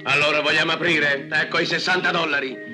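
A man's voice: a little high, steady tone, brisk, close to an everyday voice. An actor playing a curt, stubborn young gunman in a dubbed 1960s western. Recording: film soundtrack with guitar music.

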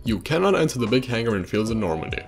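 A man's voice: mid-range voice, very animated, fast, vocal fry, faint music behind. A man reading scripted narration for a video game trivia video.

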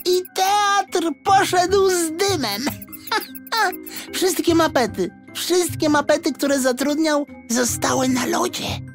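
A man's voice: extremely high pitch, slow, a bit bright, soft background music, pitched above the performer's own voice, full character voice. A man voicing a cheeky, gossipy little rodent in a children's audiobook. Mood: gleeful, mocking. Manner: gossipy, cackling. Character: cheeky, food-obsessed little male pocket rodent.

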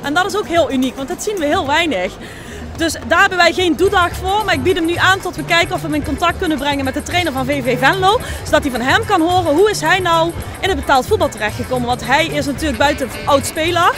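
A woman's voice: high voice, lively intonation, quick pace. A woman in her thirties giving a spontaneous interview answer as a company representative. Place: busy event hall. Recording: busy crowd and music behind.

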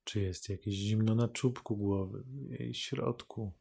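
A man leading a guided meditation as a teacher, calm and unhurried, speaking in measured phrases with long pauses. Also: lowish voice, gravelly, breathy edge.

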